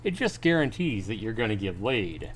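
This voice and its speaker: A man voicing a cocky, crude teenage high school boy from a visual novel, teasing his friend, with noise behind him. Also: big pitch swings, normal speed. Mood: cocky, insistent. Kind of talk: acted visual novel dialogue.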